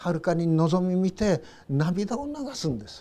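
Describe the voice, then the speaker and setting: Dark and mellow in tone, this man's voice sits at a high pitch. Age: 70s. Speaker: pastor. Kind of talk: sermon.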